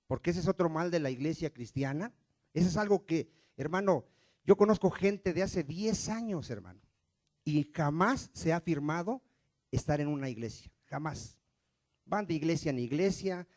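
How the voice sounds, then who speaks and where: A man's voice: a little high, a little mellow. A male pastor preaching a sermon in church and pressing the congregation with rhetorical questions.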